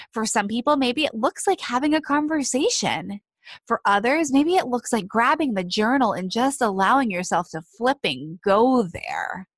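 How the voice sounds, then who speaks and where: A woman's voice: fairly high pitch, fairly bright tone, no room sound. A woman life coach with a slightly nasal voice, giving an encouraging motivational talk to listeners she calls friends. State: a little nasal. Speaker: life coach and podcast host.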